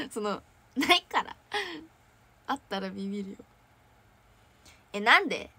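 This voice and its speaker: A woman's voice: mid-range voice, very animated, slow, pushed and bright, breathy edge. A young woman hosting a casual fan livestream, chatting in a bubbly way, giggling often and reading viewer comments aloud.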